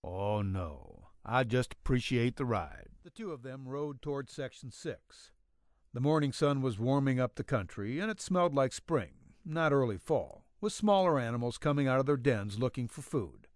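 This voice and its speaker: A man reads a western tale in a mid-pitched voice. His narration moves up and down in pitch with plenty of variation. The recording is very dry, with no room around it. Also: animated, normal speed, no room sound. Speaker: audiobook narrator. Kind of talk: scripted narration of a western story.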